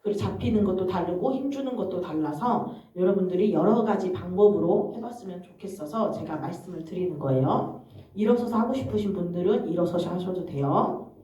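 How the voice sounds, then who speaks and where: A woman evangelist reading a teaching aloud and then explaining it to her congregation in a calm, instructive way. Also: on the low side, a little fast. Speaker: evangelist leading prayer. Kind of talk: reading aloud and explaining in a church prayer session. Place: church hall. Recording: distant mic in an echoey, dull-sounding church hall.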